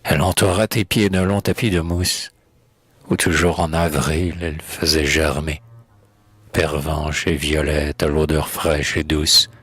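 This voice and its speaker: A man with a husky voice recites poetry in a solemn, declamatory, elegiac manner, with measured phrasing. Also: very deep voice, level tone, fairly bright tone, dry recording. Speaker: poetry reader.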